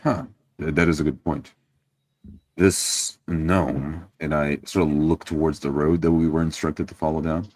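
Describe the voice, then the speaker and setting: Very deep-voiced man roleplaying. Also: steady tone, measured pace, a little mellow, dry recording. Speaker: tabletop roleplay player. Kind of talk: in-character roleplay mixed with first-person narration.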